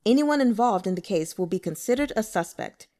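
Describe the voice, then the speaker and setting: A woman's voice: medium pitch, lively intonation, brisk, mellow, natural voice. A woman voicing a cool, imperious male investigator in an audiobook, giving curt and scornful orders. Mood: cool command.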